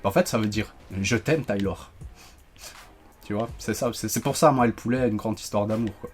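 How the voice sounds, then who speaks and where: A man giving joking, animated commentary while playing a shooter, ranting when things go wrong. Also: on the low side, faint music behind. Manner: animated, joking, quick to rant when frustrated. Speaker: gaming YouTuber. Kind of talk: live gameplay commentary.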